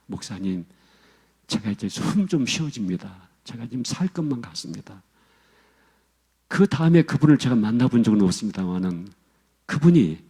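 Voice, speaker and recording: A man's voice: mid-range voice, dark tone, slightly rough. A male pastor preaching a sermon, telling a story with emphasis and speaking directly to the congregation.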